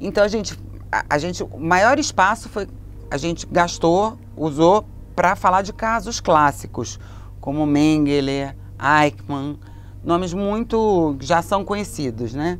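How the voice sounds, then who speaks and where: A very slow delivery in a Rio de Janeiro accent, with lively intonation. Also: woman, fairly low pitch for a woman. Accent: carioca. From Rio de Janeiro, Brazil. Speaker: journalist and author. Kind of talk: interview. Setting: studio. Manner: halting.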